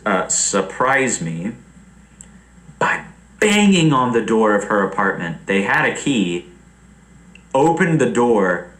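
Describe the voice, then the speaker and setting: A young man chatting casually on a livestream, rambling and animated, laughing often. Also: fairly low pitch, reverberant, poor audio. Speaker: streamer.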